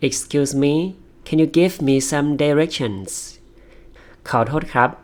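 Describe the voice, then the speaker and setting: A man teaching English to learners through slow repeat-after-me drills. He says each short phrase twice, splitting it into separate words, then explains it. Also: on the high side, expressive.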